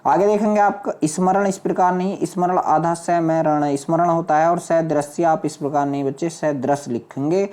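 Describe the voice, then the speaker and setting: A woman teaching a spelling lesson for exam prep, drilling each word and quizzing students with quick rhetorical questions. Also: sits low, steady tone, warm tone.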